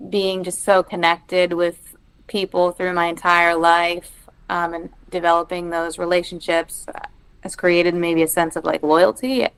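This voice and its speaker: Smooth-voiced woman from Massachusetts. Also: on the low side. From Massachusetts, United States. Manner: thoughtful and hesitant, with many fillers. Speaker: podcast guest. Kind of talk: casual interview chat.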